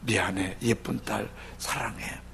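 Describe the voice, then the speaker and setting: A man voicing a shy, remorseful father reading his letter of apology to his daughter, speaking softly and haltingly. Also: lowish voice, steady tone, creaky, a little hiss or hum, pitched below the performer's own voice, full character voice. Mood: tender, apologetic.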